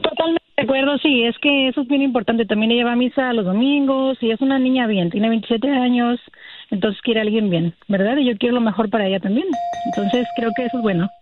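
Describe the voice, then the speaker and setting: A woman's voice: on the high side, fast talker, phone-quality sound, a little hiss or hum. A woman calling in to a radio show, earnest and agreeable as she speaks up for her sister. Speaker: radio caller.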